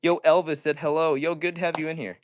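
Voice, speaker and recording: A man's voice: fairly high pitch, level tone, fast, a little hiss or hum. A man hosting a live stream, chatting casually and reading out viewer messages in slangy, upbeat talk. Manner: upbeat slangy greetings, says "dude" and "yo" often.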